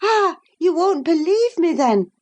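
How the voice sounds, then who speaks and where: A woman's voice: extremely high pitch, sing-song, unhurried, darkish tone, voice pushed up, exaggerated voice. A woman voicing a proud, scornful young noblewoman who speaks emphatically in an audiobook reading. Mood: defiant. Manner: emphatic, cutting, declamatory.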